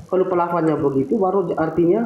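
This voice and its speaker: A man defending his view in a live debate with quick, defensive rebuttals. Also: high voice. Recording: echoey, dull lo-fi stream with faint noise.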